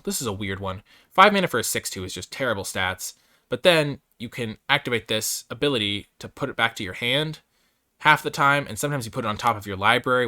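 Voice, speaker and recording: Male host, casual game review, very lively intonation, bright forceful tone, dry close sound. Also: medium pitch, no echo. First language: English. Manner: opinionated, thinks aloud, hedging and revising his grades. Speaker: host reviewing trading card game cards. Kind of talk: casual off-the-cuff card review commentary.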